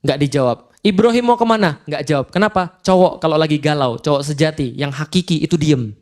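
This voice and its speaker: Man, high-pitched, preacher, casual lecture, animated storytelling, slow verse recitation. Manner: animated storytelling, acts out dialogue with jokes; quotes Quran verses slowly.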